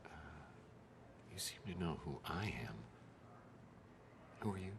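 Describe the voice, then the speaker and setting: Groggy confused detective from a video game, lowish voice, kinda sardonic, noisy background. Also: male voice, lively intonation, gravelly, heavily acted. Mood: dry, flirting. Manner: halting, bewildered. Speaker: game protagonist.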